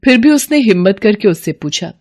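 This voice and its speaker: A woman reading a storybook tale in steady, measured narration. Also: medium pitch.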